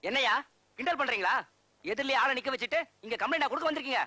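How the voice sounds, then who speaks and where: An actor playing a brusque, suspicious police inspector taking a complaint. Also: male voice, very high voice, expressive, rapid-fire, bright, forceful tone, no echo, full character voice. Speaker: police officer. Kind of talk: film acting.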